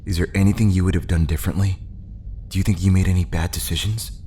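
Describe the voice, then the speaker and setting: An actor playing an earnest, caring starship engineer in a science fiction audio drama, talking in a plain way. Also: male voice, low voice, steady tone, quick pace, warm tone, a little hiss or hum. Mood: sorrowful.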